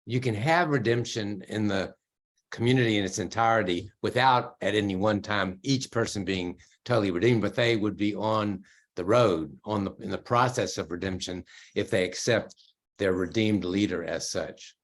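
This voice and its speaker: Thoughtful low-voiced man in discussion. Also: normal speed. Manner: thoughtful, hesitant, restarts often. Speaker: study group participant. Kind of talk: casual group discussion.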